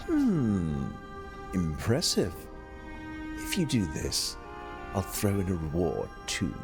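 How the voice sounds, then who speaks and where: Older exiled sage for a game: low, very animated, unhurried, cryptic and teasing, music behind. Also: male voice, exaggerated voice. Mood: pleased, teasing. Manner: slow, musing, teasing, dramatically swooping delivery. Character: patient exiled former physician, cryptic older challenge-giver. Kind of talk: video game voice acting.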